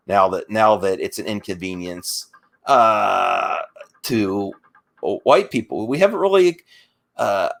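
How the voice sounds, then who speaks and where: Halting, argumentative man in online debate. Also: mid-range voice, fairly bright tone. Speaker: debate guest.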